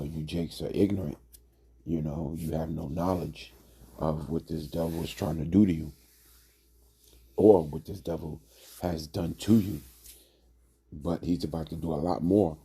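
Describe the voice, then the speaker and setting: A man giving an informal religious lesson, hoarse from a cold, talking in a drawl with many fillers. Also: a bass voice, dark tone. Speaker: religious teacher.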